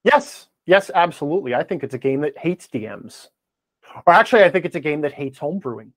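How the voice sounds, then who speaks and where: Podcast guest, male, very lively intonation, dry close sound, emphatic explainer with firm opinions. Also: fairly high pitch, brisk, no room sound. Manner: emphatic, checks in with "okay" and "right". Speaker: podcast guest, game design commentator.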